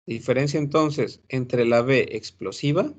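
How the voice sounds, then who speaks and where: A man teaching French pronunciation to Spanish speakers, slowly and patiently repeating each sound for his students. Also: medium pitch. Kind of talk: recorded class lesson.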